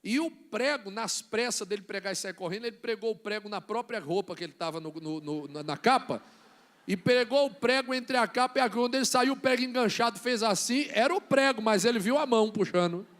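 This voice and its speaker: A Brazilian man preaching a sermon, acting out little scenes and building to shouted lines. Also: high voice, a little fast. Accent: Brazilian Portuguese. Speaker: bishop preaching.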